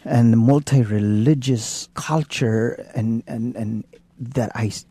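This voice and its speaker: A man with a Filipino accent, a Catholic priest telling his life story in an interview, unhurried and halting with many pauses and restarts. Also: medium pitch, mellow, husky, dry recording. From Philippines. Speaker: Catholic priest, hospital spiritual care director.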